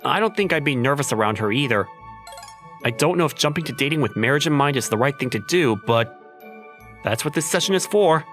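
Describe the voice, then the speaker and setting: A man's voice: mid-range voice, a little fast, faint music behind, close to an everyday voice. A man voicing a flustered, skeptical young office worker in a manga dub, sounding incredulous and given to inner narration. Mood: hesitant, resigned. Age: young adult. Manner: exasperated, incredulous, animated.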